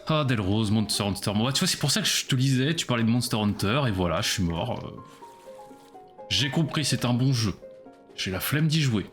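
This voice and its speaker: A man's voice: medium pitch, expressive, moderate pace, a bit bright, soft background music. A man casually commenting on his own gameplay during a live stream, chatty and self-mocking as he talks to his chat.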